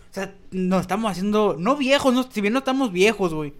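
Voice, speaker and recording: A man's voice: sits high, lively intonation, fast talker. A young Mexican man with a Mexican accent, co-hosting a podcast and telling a rambling, slangy story full of swearing. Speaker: podcast co-host. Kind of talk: casual storytelling chat.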